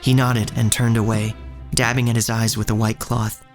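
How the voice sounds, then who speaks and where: An actor playing an earnest, uneasy young shop boy, narrating his own story in a measured, literary way. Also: on the low side, little pitch movement, soft background music, lightly acted. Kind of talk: first-person scripted narration in audio drama.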